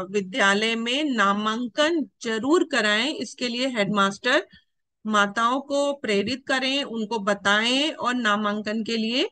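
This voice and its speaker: A woman's voice: fairly high pitch, pushed and bright, no room sound. A woman earnestly instructing teachers and childcare workers in a formal training address. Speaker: education official addressing teachers.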